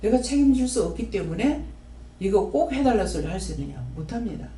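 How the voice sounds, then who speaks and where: Gyeongsang woman pastor, lively sing-song delivery, folksy, acts out dialogues, mic off at a distance in a reverberant hall. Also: mid-range voice, a little fast, a little hiss or hum. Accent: Gyeongsang Korean. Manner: animated, folksy, acts out her prayers and God's answers. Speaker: preacher at a prayer house. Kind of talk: sermon. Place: prayer house hall.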